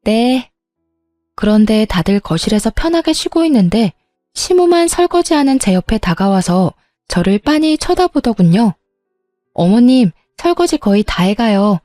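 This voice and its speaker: Woman telling a story steady and even, mellow voice, dry close mic, faint music. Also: on the high side, moderate pace, dry recording. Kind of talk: dramatized story narration.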